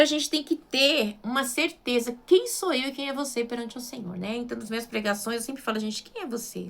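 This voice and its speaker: Creaky-voiced Brazilian woman preacher. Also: fairly high pitch, fairly bright tone. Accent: Brazilian Portuguese. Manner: conversational, emphatic, with frequent rhetorical questions and check-in tags. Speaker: missionary preacher. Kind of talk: informal Bible sermon.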